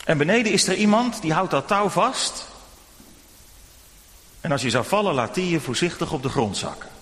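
A male preacher tells a children's sermon story in a gentle, engaging way. His high voice moves up and down with great liveliness. A long church reverb carries his words through the room. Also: lively intonation, normal speed.

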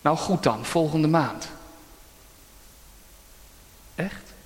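A man preaching a sermon with emphasis, drawn-out pauses and dramatic whispers. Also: on the high side. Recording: long church-hall reverb.

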